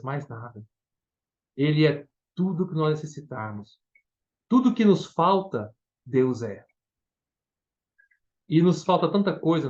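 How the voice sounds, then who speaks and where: A man's voice: on the high side, muffled recording. A man with a Brazilian Portuguese accent preaching a Bible study sermon, explaining step by step and often asking "né?". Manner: explanatory, repeats words and asks "né?".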